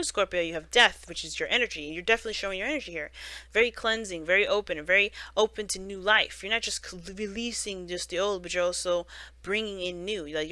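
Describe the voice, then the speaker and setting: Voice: mid-range voice, sharp tone, no room sound. A tarot reader giving a casual spoken reading, rambling along with frequent "you know" and "right?" and many restarts. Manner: self-correcting restarts.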